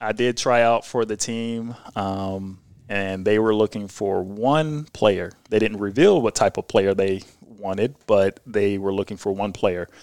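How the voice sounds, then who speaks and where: On a very clean recording with a silent background, a man with an American accent talks in an ordinary speaking voice, fairly low in pitch, with fairly even intonation. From southern Indiana. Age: 30s. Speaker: moving company owner and former basketball player. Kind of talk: casual interview.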